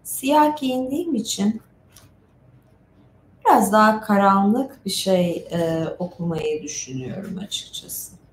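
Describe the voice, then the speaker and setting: Here a middle-aged woman reads and retells myths for a laid-back storytelling stream, drifting into chatty tangents and side comments. Her pitch is medium and she takes her time. The space echoes, and there's a faint background hum of noise.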